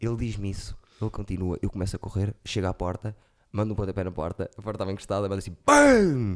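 Very fast speech from a man on a very clean recording with a silent background. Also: fairly even intonation. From Portugal, Guarda. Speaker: comedian. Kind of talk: casual chat.

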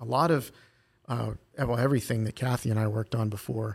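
This man talks fairly quickly at a medium pitch, somewhat breathy and with fairly even intonation, in a very clean recording with a silent background. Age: 50s. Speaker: museum exhibit art director. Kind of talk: interview conversation.

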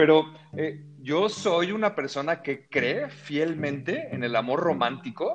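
Music plays in the background as a man talks. He goes at a fairly slow pace with ordinary pitch variation. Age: 40s. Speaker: podcast host. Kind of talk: casual chat.

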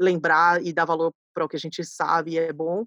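Against a quiet background, a woman with a fairly low pitch talks at a moderate pace, the sound dry and close with no echo. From Brazil. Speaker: product designer. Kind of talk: interview. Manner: halting.

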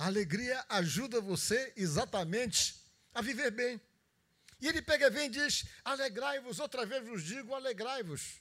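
This man's voice sits extremely high, bright and sharp, raised and projected. His intonation is lively and his pace moderate. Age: 60s. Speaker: pastor. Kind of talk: sermon.

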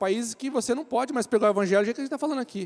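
An extremely high-pitched male voice with ordinary pitch variation. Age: 30s. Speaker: pastor. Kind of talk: sermon.

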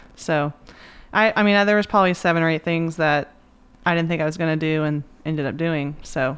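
In a plain, everyday voice, the speaker moves at a fairly quick pace with fairly even intonation. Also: woman, fairly low pitch for a woman. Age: 30s. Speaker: podcast guest, solo traveler. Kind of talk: casual chat. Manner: casual, filler-heavy speech.

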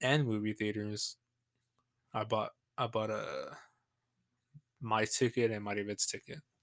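A man's fairly low voice with an American accent, ordinary pitch variation, long and frequent pauses, and a dry, close sound with no echo. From Texas. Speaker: podcast co-host. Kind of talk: casual chat. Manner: animated, chatty.

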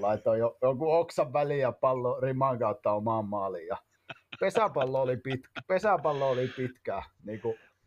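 An ordinary speaking voice, a man's, with lively intonation at a moderate pace. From eastern Finland, Imatra. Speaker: ice hockey coach. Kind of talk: interview.

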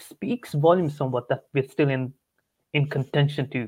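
Somewhat breathy and fairly high for a man, his voice keeps a fairly even intonation in a dry, close sound with no echo. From Bologna, Italy, Sri Lankan descent. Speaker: guest, Milan fan Twitter account owner. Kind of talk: casual chat.

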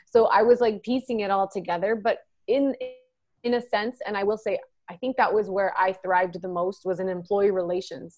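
The woman's voice sits at a medium pitch with ordinary pitch variation. She speaks at a moderate pace. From US, Los Angeles. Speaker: confidence coach. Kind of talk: interview.

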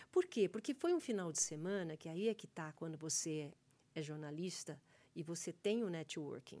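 A woman's plain, everyday voice at a moderate pace with ordinary pitch variation, on a very clean recording with a silent background. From interior of São Paulo state, raised in Santos. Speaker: journalist. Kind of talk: casual interview chat.

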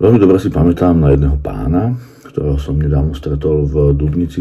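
Amid noticeable background noise, a man with a very deep, low pitch talks at a moderate pace, with ordinary pitch variation. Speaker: fitness coach and podcast host. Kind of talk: casual monologue and interview.

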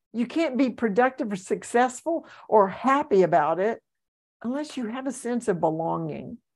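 With a Southern US accent, a woman talks at a moderate pace in a fairly high pitch, showing vocal fry and lively intonation on a very clean recording with a silent background. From US South (Mississippi). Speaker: public speaker and author. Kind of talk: interview.

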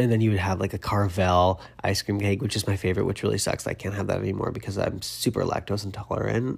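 Talking at a very fast pace, a man with a fairly low voice sounds animated and shows vocal fry. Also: hardly any pauses. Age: 30s. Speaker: pop culture podcast host. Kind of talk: casual solo podcast monologue. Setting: recording in bed at home.

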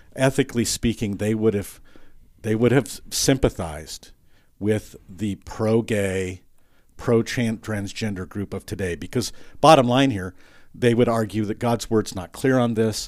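This very clean recording has a silent background. A man speaks at a fairly slow pace with ordinary pitch variation. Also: medium pitch for a man. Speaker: pastor. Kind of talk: casual chat. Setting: studio. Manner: animated.

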